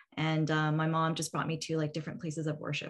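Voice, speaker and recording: The background stays quiet. There is a somewhat breathy quality to the voice. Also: woman. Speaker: podcast host. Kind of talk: casual interview.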